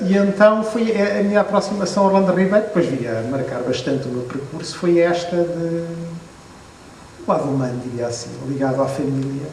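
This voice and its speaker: A man's voice: on the high side, a little mellow. Reflective Portuguese man, distant in echoey room. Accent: European Portuguese. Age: 50s. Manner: reflective storyteller, hesitant restarts, wry self-deprecating asides. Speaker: photographer and book author at a presentation. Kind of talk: relaxed anecdotal talk to an audience. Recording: echoey room, distant mic, faint noise.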